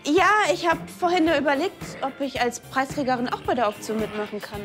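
An earnest, nervous young woman in a TV drama. Her voice is high and her talk is fretful and natural, with faint music underneath. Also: lively intonation, brisk. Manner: fretful, conversational.

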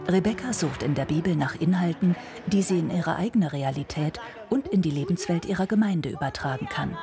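A woman narrates a documentary in a calm, measured voice, pitched somewhat low. Music plays clearly beneath her words, in the manner of a television report.

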